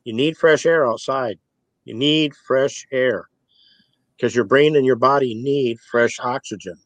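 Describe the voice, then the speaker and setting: A man's voice: medium pitch, a little slow, dry recording. Folksy rambling older man in his sixties. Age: 60s. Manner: rambling, folksy, chuckles between points. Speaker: interviewee. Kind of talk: casual spoken interview.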